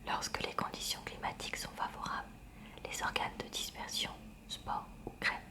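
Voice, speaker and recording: A woman reads a textbook aloud for ASMR in a breathy, unvoiced library whisper, hushed and careful. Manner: hushed, careful, measured reading. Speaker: ASMR reader. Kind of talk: soft ASMR read-aloud of a school science textbook.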